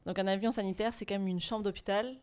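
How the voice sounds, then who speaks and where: A woman's voice: mid-range voice, fairly even intonation, fast, a little mellow, clean tone. A young adult woman, a podcast guest, telling a personal story in casual chat, full of fillers and quoted asides.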